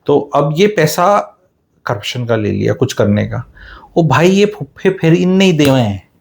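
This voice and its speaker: Animated Hindi-English real estate talker. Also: male voice, on the high side, unhurried, creaky. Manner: animated, storytelling with acted-out quotes, Hindi-English mixing. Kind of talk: casual talk.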